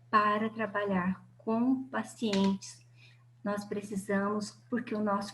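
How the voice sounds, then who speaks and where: The speech moves at a very slow pace and sounds somewhat breathy. Pitch variation is ordinary. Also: woman. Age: 60s. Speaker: nurse manager. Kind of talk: webinar talk.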